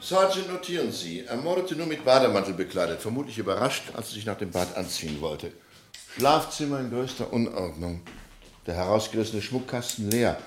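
An actor playing a brisk, authoritative police commissioner with a clipped, businesslike delivery in a German radio play. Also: male voice, lowish voice, expressive, echoey room, faint music behind, close to an everyday voice.

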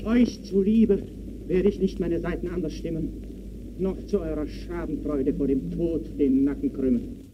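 A man's voice: a little high, measured pace, dull audio, close to an everyday voice. An actor in an old radio play playing a proud, defiant man facing death, declaiming emphatically on a noisy early recording. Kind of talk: 1930s radio play acting, declamation in verse.

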